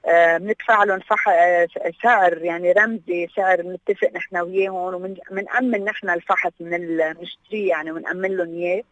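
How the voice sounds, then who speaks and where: A woman's voice: fairly low pitch, fairly even intonation, fast, hardly any pauses, dry recording, highs cut off. A woman with a Lebanese Levantine Arabic accent explaining things as an interview guest, dropping in English words. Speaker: guest, health awareness association representative. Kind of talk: radio interview, explanatory talk.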